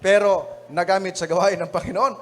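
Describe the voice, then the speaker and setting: A man's voice: high-pitched, fairly even intonation, brisk. A man with a Filipino accent, an evangelist telling funny anecdotes in a lesson-review sermon, chatty and often laughing as he addresses the brethren. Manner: chatty, laughing, often says "mga kapatid".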